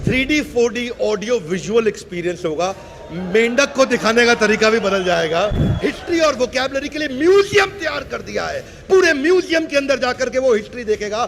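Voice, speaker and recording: A man giving a loud promotional stage speech, rallying the audience with rhythmic slogans. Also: very high voice, animated, a little fast. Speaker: speaker pitching an education program. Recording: loud crowd and noise behind. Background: loud crowd and noise.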